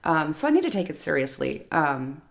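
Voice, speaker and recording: A middle-aged woman co-hosting a podcast, hoarse and raspy from a recent bug, talking loosely with lots of fillers. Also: deep voice, sing-song, fairly quick, over a noisy crowd. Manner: rambling, filler-heavy, winging it. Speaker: podcast co-host. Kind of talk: casual chat.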